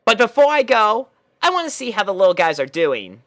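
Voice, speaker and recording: Man voicing a brash, high-pitched young girl pony. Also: big pitch swings, brisk, a bit bright. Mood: proud, breezy. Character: brash, confident young female cartoon pony, proud and scolding.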